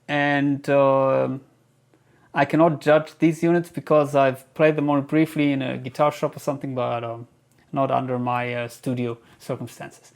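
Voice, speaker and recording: A man giving a casual gear Q&A as a reviewer, speaking haltingly as he thinks aloud. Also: mid-range voice, flat delivery, vocal fry, smooth. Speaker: guitar gear reviewer answering viewer questions. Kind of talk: casual product Q&A talk.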